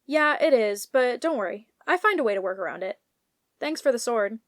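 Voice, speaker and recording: A woman's voice: a little high, lively intonation, fairly quick, a bit bright, no room sound, clean studio sound. An actress playing a confident, eager young lady knight in an audio fairy-tale comedy. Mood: cheerful, matter-of-fact.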